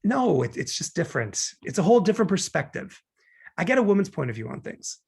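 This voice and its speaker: Casting: man playing neurotic, defensive wisecracker, gravelly voice, lively swings in pitch, table-read comedy. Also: quick pace, heavily acted. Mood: earnest, defensive. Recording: remote video-call table read.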